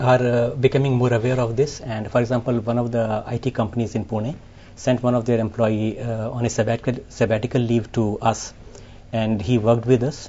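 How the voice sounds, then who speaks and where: In a somewhat breathy, medium-pitched voice, a man speaks with monotone, flat intonation. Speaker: stammering self-help activist. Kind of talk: interview answer. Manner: stammering.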